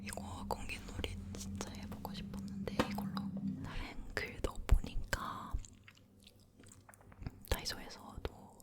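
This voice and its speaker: Female ASMR host, leaning in to whisper, slow and hushed, close-miked personal storytelling. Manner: slow, gently repeating words.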